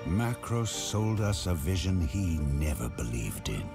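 An actor playing a grim, vengeful, betrayed warrior, narrating a game trailer in a grave, deliberate, gravelly voice. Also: male voice, low voice, sing-song. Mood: grim, bitter. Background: loud music.

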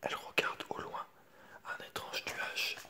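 Man in a soft library whisper. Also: measured pace. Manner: hushed, explaining the pictures to viewers in informal asides. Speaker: storyteller reading a childhood book aloud. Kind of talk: whispered ASMR picture-book reading with asides.

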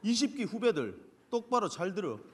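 A man in his thirties chanting deadpan lines in a stage comedy routine. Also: high-pitched, moderate pace, slight background noise. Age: 30s. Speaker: comedian in a rhyming group act. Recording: roaring crowd in a reverberant hall.

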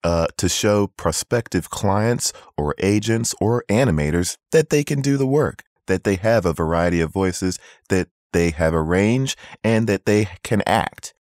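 Low-voiced man giving emphatic advice. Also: animated, a little slow, hardly any pauses, a little mellow, no room sound, studio quality. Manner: emphatic, repeating points for stress. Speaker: voice acting tips host. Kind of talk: casual advice to beginners.

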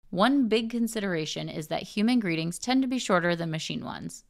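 A young woman presenting a tutorial, reading scripted technical narration in a measured, instructional way. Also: fairly low pitch, gravelly.

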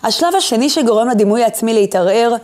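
Speaking with a fairly high pitch and lively intonation, this woman delivers a self-image lecture meant to motivate. She talks straight to the viewer, offering soft instructions as she leads her through breathing exercises.

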